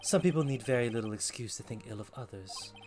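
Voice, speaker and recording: A man's voice: medium pitch, expressive, quick pace, darkish tone, natural voice. A man voicing a proud, cold young male prosecutor who speaks curtly and with disdain. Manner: curt and disdainful.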